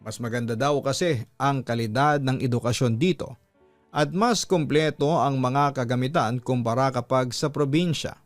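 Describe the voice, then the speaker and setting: A man's voice: medium pitch, no echo. A man with a Filipino accent hosting a story show, reading out a listener's letter as scripted narration.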